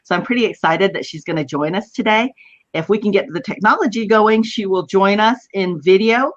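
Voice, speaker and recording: A woman with a West Texas twang and drawl hosts a casual online chat in a chatty, upbeat way. Her pitch is middling, and the sound is a dull, lo-fi web call. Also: a little fast. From West Texas, United States. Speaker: host of an online video chat. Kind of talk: casual live-stream hosting.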